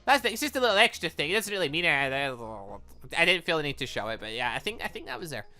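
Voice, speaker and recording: A video host giving casual, excitable, rambling commentary while playing a game. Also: mid-range voice, fast talker, faint music behind. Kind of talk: casual let's play commentary.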